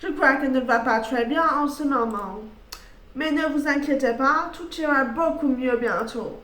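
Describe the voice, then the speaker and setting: A woman voicing a sly, scheming man who speaks smoothly and evasively in a narrated mystery game. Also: extremely high pitch, normal speed, a bit bright, roomy sound. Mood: smug. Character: sly scheming male hotel guest.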